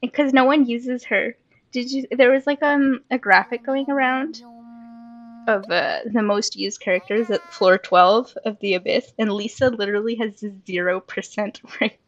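High-pitched, excitable young-sounding woman gamer. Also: normal speed, dull audio. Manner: excitable, exclaiming, giggly, sing-song humming. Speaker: gaming video host. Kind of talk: casual gameplay chat.

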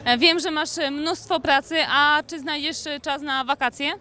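A woman's voice: high voice, steady tone, unhurried, sharp tone. A young woman reporter asking questions at an outdoor evening gala into a handheld mic, upbeat with some fillers. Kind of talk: red-carpet interview questions.

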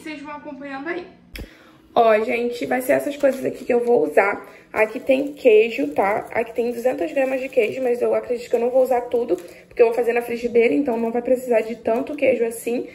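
A woman's voice: on the high side, darkish tone, distant mic. A young woman from Brazil chatting casually to her viewers while cooking in her home kitchen. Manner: chatty, addresses viewers affectionately. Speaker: cooking vlogger. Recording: echoey kitchen from off-mic with music.

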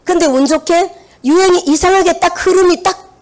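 A woman's voice: very high-pitched, normal speed. A woman in her fifties from Busan with a Busan Gyeongsang accent, giving a motivational seminar talk and telling stories while asking the audience questions. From Busan, South Korea. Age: 50s. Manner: lively storytelling with audience questions. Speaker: seminar speaker. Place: seminar hall.

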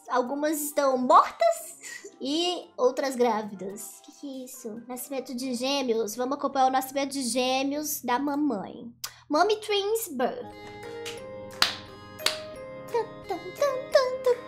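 A woman's voice: high voice, fairly bright tone. A young woman giving chatty, giggly commentary while playing a browser game. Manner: chatty, giggly, exclaiming, teasing. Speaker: gaming YouTuber. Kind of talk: casual gameplay commentary. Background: game music.

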